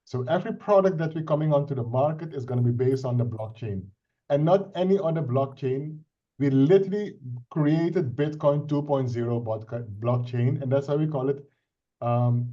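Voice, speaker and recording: A middle-aged IT consultant from Suriname, speaking with a Dutch accent, casually introduces himself and explains a crypto project over a video call. His mellow, medium-pitched voice moves at a moderate pace, earnest and explanatory, with frequent restarts and "right?" checks. The call audio is muffled, dull and lo-fi.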